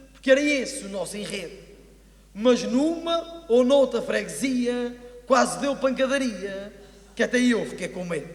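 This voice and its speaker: A man performs a rhymed comic stage monologue in a theatrical, declamatory way. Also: extremely high pitch. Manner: theatrical, declamatory verse delivery. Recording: echoey hall with long reverb.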